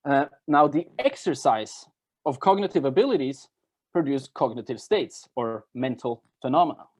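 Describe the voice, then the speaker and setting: A man giving an academic talk, explaining step by step with halting self-corrections. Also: mid-range voice, lively intonation, a little mellow. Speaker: academic presenter. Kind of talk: academic lecture at a workshop.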